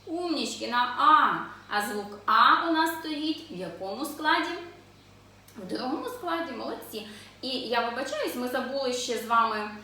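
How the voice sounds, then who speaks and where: A woman teaching young children to read, sounding out syllables slowly and asking the class questions in a sing-song way. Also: a little high, animated, sharp tone. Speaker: preschool teacher. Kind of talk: children's literacy lesson. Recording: echoey room, voice from a distance.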